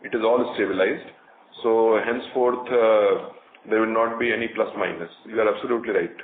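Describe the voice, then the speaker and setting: A man speaking as a company executive, answering investor questions haltingly. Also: lowish voice, fairly even intonation. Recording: phone-like conference line, roomy, slightly noisy.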